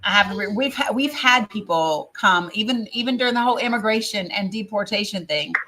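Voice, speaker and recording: A woman's voice: medium pitch, a little fast, bright, forceful tone, low-quality recording. A woman in her fifties hosting a live-stream panel, talking earnestly and firmly with many ums and restarts. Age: 50s. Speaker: livestream host.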